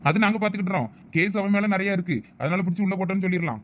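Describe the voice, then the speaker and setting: A man voicing a fast-talking chatty police officer. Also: high voice, muffled recording, lightly acted. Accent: Thoothukudi Tamil. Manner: rapid, chatty, explaining at length. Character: talkative middle-aged male police officer. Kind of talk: cartoon voice acting.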